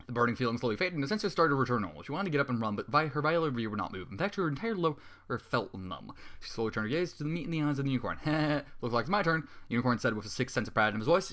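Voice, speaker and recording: A man reading a fan story aloud and breaking off to vent his disgust, swearing openly as he goes. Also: medium pitch. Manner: fast, exasperated, swears openly. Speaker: story reader. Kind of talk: dramatic reading with exasperated commentary.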